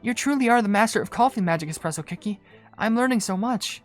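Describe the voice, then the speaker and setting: A woman's voice: medium pitch, lively intonation, fast talker, soft background music, lightly acted. Woman as an earnest, studious young perfumer. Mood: earnest, polite. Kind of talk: cartoon game dialogue read aloud.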